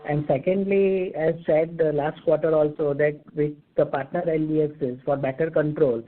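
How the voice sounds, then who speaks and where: A man's voice: on the high side, fairly even intonation, moderate pace. A man with an Indian accent answering investor questions as a company executive, formally and methodically, over a telephone conference line. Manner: formal, methodical, enumerating points. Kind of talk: explanatory earnings call answers. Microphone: telephone conference call. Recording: tinny narrow phone line.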